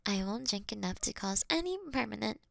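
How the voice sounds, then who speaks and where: A woman's voice: medium pitch, lively intonation, creaky, no echo, studio quality. A woman playing a courteous, doting vampire in a scripted roleplay, speaking intimately and breathily, often slipping into a whisper. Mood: gentle, grateful. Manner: slow, intimate, gently theatrical. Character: female vampire, courteous, doting, wryly confessing to her sleeping prey. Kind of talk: scripted roleplay audio for one listener.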